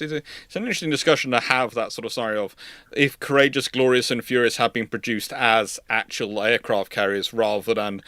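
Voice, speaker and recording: A man's voice: fairly low pitch, fairly bright tone, dry recording, clean studio sound. A British man hosting a casual history question-and-answer stream, rambling and often stammering and repeating words as he explains. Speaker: livestream host.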